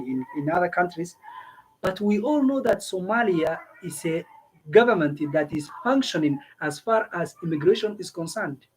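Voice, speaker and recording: In a casual explainer to camera, an East African man hosts a video giving visa advice, repeating his points and asking listeners questions. His voice is on the high side with a breathy edge, and the recording is rough.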